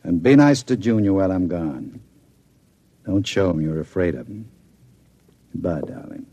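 An actor playing a cold, scheming gang boss in an old radio drama, with a smooth, sardonic menace. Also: male voice, deep voice, animated, normal speed, dark tone, a little hiss or hum. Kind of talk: 1940s radio acting.

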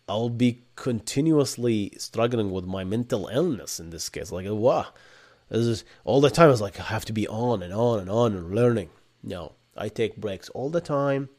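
A man's voice: fairly low pitch, a little mellow. A man from Bahrain with an Arabic accent, hosting a live Q&A and answering chat questions in a casual, thinking-aloud way. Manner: casual, thinks aloud with restarts and rhetorical "right?". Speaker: host.

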